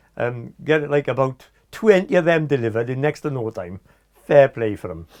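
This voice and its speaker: A man talks at a moderate pace and a medium pitch, with lively intonation and big swings in loudness. The sound is dry and close, with no echo. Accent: Welsh. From South Wales mining valleys. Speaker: former computer customer, IT manager. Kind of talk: interview, reminiscing. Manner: halting, repeats words.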